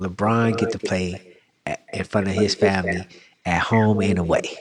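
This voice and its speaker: Speaking in a Southern US accent, a man uses a fairly low pitch, a moderate pace and monotone, flat intonation. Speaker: podcast co-host. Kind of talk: casual chat. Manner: sometimes loud, voice rises; slurred words.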